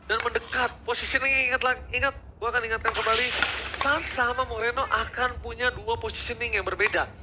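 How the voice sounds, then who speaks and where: A man with an Indonesian accent casts esports play-by-play in a very high-pitched voice. He talks fast, dramatic and emphatic in his excitement. Loud noise runs behind him. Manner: dramatic, emphatic, asks and answers own questions. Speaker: esports caster.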